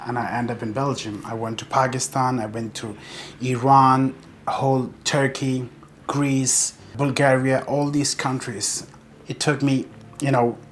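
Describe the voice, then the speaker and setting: Guy from afghanistan, pro bodybuilder, earnest and determined, tells his story in an interview, faint hum behind. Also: medium pitch. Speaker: professional bodybuilder. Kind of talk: personal interview monologue.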